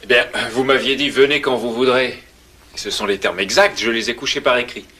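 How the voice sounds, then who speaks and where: A man's voice: medium pitch, a little fast, bright, forceful tone, lightly acted. An actor dubbing a cheerful, easygoing young man who comes calling, in a playful, breezy manner. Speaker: visitor courting a young woman. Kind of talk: French film dub.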